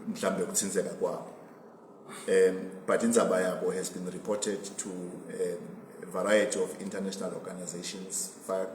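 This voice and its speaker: A man with a Swazi accent giving a political address in an interview, speaking emphatically and deliberately and repeating phrases for emphasis. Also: low-pitched, a little mellow. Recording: echoey reverberant room with background noise.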